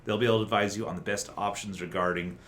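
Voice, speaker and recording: A man's voice: fairly low pitch, fairly even intonation, very fast, fairly bright tone, a little hiss or hum. A man answering viewer questions as an orthodontist, in a casual, methodical, matter-of-fact and reassuring explanatory way.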